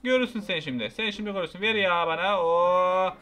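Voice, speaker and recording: A young man giving excitable, frustrated gameplay commentary, shouting at the characters on screen. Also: high voice, fairly quick. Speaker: gaming YouTuber.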